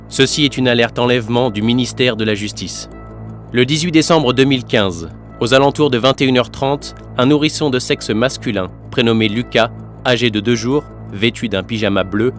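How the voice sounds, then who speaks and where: A man reading scripted narration as a professional voice-over artist. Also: medium pitch. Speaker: voice actor. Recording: music under the voice. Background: music.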